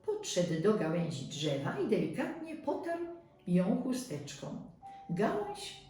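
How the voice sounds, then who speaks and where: A woman reading a fairy tale aloud as storyteller, expressive and unhurried, heard in a very echoey room from some distance. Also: fairly low pitch.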